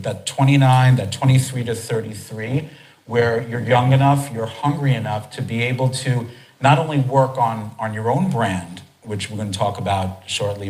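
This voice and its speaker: Male event host, american, energetic and chatty, average pitch. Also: poor audio. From United States. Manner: energetic, chatty, many restarts. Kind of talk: live talk to an audience. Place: conference hall.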